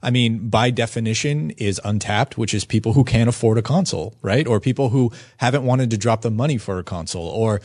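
A man co-hosts a casual gaming podcast and gives a measured, analytical take in a low voice. The mic sound is dry and close. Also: darkish tone, dry recording. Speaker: podcast co-host.

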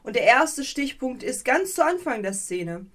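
Animated, slightly high-voiced woman co-host. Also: a little slow. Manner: animated, rambling with many fillers. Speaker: podcast co-host. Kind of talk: casual chat.

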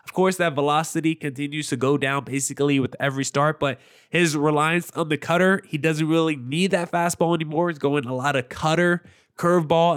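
A man's voice: on the high side, clean tone. A young man with a nasal, congested voice from allergies, hosting a sports podcast in a chatty, opinionated, rambling way. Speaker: podcast host. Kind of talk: casual sports podcast commentary.

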